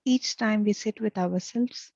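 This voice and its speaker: Lady doing guided meditation, soft mellow voice, gentle and soothing, really dry close sound, lots of pauses. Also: medium pitch, vocal fry, no room sound, highs cut off. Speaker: meditation teacher.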